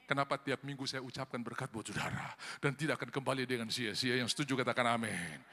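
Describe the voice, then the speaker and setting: A pastor preaching a sermon, swinging between loud exhortation and quiet asides. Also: male voice, medium pitch, fast. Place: large church hall. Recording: long reverb of a church hall.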